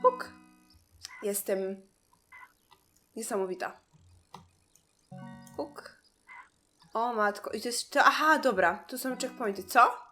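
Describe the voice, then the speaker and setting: A Polish woman commentating her own gameplay, reacting loudly and yelling at the game characters. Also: on the high side, takes it slowly, long pauses, soft background music. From Poland. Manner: exclaims and shouts at the game. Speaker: gameplay streamer. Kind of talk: excited gaming commentary.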